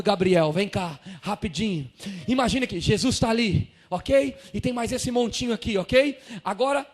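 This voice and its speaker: A pastor preaching to his congregation in a church, swinging from quiet asides to loud shouted lines and calling people up to act out a scene. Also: sits high. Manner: dramatic preaching with sudden swings from soft to shouting; directs congregation members in a live demonstration. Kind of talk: sermon.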